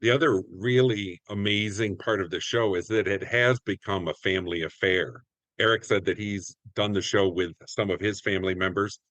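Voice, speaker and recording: Low-voiced American man, dry close sound. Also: moderate pace, fairly bright tone, dry recording. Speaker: community theater actor and podcast guest. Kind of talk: casual group interview, reminiscing.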